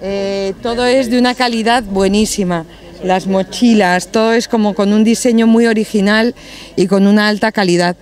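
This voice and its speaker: A woman's voice: mid-range voice, steady tone, moderate pace, darkish tone. A woman organizing an outdoor market, presenting stalls casually with eager praise and frequent hesitations. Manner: enthusiastic, hesitant fillers, repeats words. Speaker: market organizer guiding the tour.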